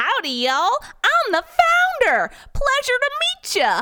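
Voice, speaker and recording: A put-on character voice pitched extremely high, swinging very widely in pitch at a moderate pace. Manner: friendly, welcoming.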